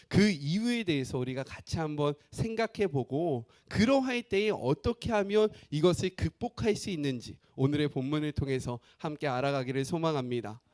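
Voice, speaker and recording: A male pastor preaching a sermon in a lively, animated way, with a voice that sits high for a man. His pitch rises and falls widely as he puts questions to the congregation. He talks directly to the listeners and draws them in.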